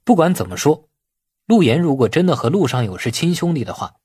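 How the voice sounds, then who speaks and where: A man narrates a novel in an expressive, animated storytelling style. His mid-pitched voice has a husky edge and the recording is dry and close. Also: fairly quick, no room sound. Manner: expressive storytelling, acting out dialogue. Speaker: audiobook narrator. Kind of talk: dramatic scripted narration of a novel.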